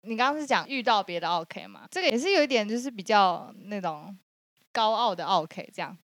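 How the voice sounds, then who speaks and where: A woman, co-hosting a podcast and retelling a story in a lively, laughing way. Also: medium pitch, fairly quick, dry recording. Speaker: podcast co-host. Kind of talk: casual storytelling chat.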